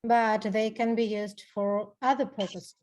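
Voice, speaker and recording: A woman's voice: medium pitch, steady tone, measured pace, a little mellow, close to an everyday voice. A woman playing a beseeching, indignant suppliant in a formal, earnest reading of Greek tragedy. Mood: veiled threat. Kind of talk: live dramatic reading of ancient Greek tragedy. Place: online video call.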